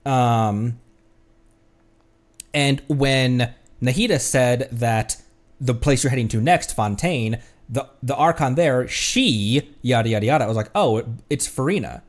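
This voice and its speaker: A man streaming a game with casual, musing commentary, often repeating phrases as he works through his thoughts. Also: mid-range voice.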